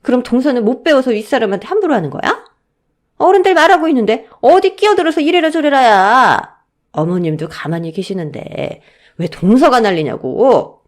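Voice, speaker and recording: A woman voicing an arrogant elder sister-in-law who talks down with sharp, condescending retorts. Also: on the low side, big pitch swings, measured pace, slightly rough, exaggerated voice. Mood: haughty.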